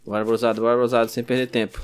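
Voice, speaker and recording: A man's voice: mid-range voice, very fast, clear, resonant tone. A man with a Brazilian accent giving casual gameplay commentary, yelping and scolding the zombies as he plays. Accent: Brazilian Portuguese. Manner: excitable, yelps and talks to zombies. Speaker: gameplay streamer.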